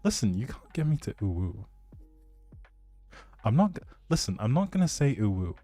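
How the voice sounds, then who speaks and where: A man's voice: mid-range voice, big pitch swings, normal speed, warm tone, dry recording, soft background music. A man chatting casually as a livestream host, showing off a game build in a playful, self-deprecating, rambling way. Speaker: streamer, host.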